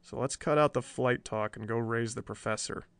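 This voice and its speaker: A man voicing a steady, dry-witted male newspaper reporter who speaks low and unhurried, in an audiobook reading. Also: vocal fry, clean tone, no echo. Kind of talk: audiobook character voice.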